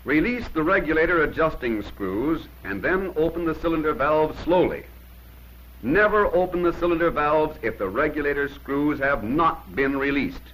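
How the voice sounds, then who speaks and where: A man's voice: a little high, animated, moderate pace, fairly bright tone, low-quality recording. A man narrating a 1950s instructional film in an emphatic, plain-spoken way, giving short commands on an old film soundtrack.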